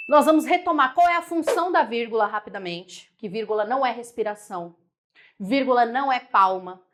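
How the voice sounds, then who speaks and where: A Brazilian woman teaching a live online grammar lesson, lively and repetitive, often checking whether viewers follow. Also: a little high. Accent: Brazilian Portuguese. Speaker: Portuguese teacher.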